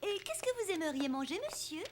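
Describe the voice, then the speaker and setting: A woman's voice: very high-pitched, very animated, brisk, noisy background. A woman voicing a kind, playful young babysitter in a children's cartoon, bubbly, coaxing and sing-song. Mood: playful pretending. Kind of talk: children's cartoon dub acting. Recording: loud music behind the voice.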